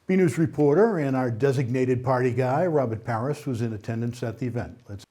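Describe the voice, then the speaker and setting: A man's voice: mid-range voice, fairly quick, background noise. A man anchoring a weekly local news roundup, reading items evenly and adding small off-script remarks. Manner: reads evenly with small ad-libs.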